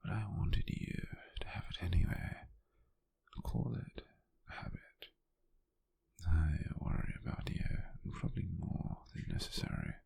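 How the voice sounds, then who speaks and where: Gentle, doting British wizard boyfriend played by a male ASMR actor: low, gravelly half-whisper, tender and softly teasing. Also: unhurried, heavily acted. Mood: affectionate, earnest. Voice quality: breathy, husky near-whisper. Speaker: ASMR roleplay performer. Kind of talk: ASMR roleplay, intimate whispering.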